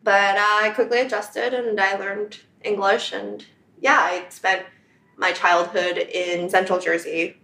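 A woman's voice: mid-range voice, fairly even intonation, measured pace, vocal fry, pushed and bright, roomy sound, rough recording. A woman from China, an interview guest, telling her story in a reflective, conversational way, recorded in a New York apartment. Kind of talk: casual conversation.

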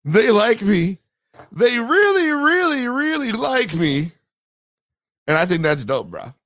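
A man hosting a podcast, hoarse and hyped, loudly signing off the show with slangy shout-outs. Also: very high voice, sing-song, slow, no room sound. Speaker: podcast host.

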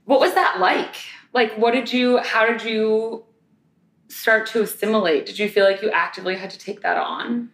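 A woman's voice: a little high, steady tone, moderate pace, fairly bright tone. Curious woman interviewer, echoey room. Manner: curious, probing questions. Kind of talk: casual interview. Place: apartment in New York.

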